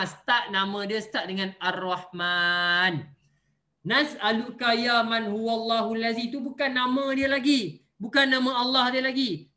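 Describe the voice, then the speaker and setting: A man's voice: sits high, bright, forceful tone. A man, a religious teacher giving an online class, explaining with playful, teasing everyday examples.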